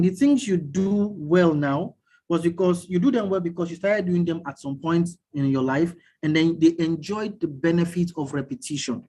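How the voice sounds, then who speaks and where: Calm, husky guest speaker. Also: medium pitch. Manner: calm, measured, repeats words when starting a thought. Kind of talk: teaching talk.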